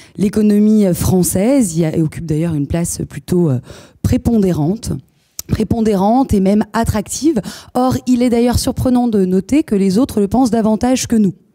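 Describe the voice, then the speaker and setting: Woman with a dark, mellow tone, lively intonation and very even loudness, dry and close with no echo. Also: medium pitch for a woman, moderate pace. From France. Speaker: speaker introducing a business event. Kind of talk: televised introductory speech.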